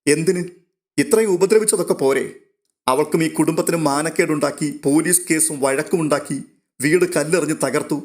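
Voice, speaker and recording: Male reader as a firm, steady older sister; protective, a bit high-pitched. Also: brisk, lightly acted. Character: calm, firm older-sister woman protecting her family.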